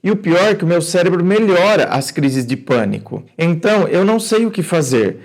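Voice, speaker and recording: A man's voice: high voice, lively intonation, moderate pace. A Brazilian man hosting an advice show, reading a viewer's letter aloud and reacting to it with exclamations and direct questions to his audience. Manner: incredulous, exclamatory, addresses the audience and the writer directly.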